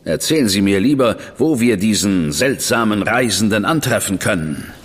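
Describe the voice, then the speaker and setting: An actor playing a stern, impatient official in a German radio drama, curt and disapproving. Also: male voice, lowish voice, animated, moderate pace, slightly rough, big-room sound.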